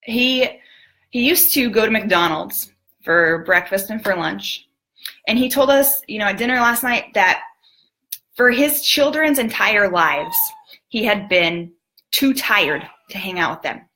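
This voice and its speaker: A woman giving a motivational talk, telling a story in an animated way and speaking earnestly to the audience. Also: medium pitch, measured pace, rough recording. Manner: animated storyteller who acts out quotes; earnest, direct appeals to the audience.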